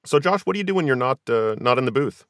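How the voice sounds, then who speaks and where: A man hosting a casual interview, asking questions haltingly and rephrasing as he goes. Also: medium pitch, expressive, no room sound, clean studio sound. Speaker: podcast host, interviewer.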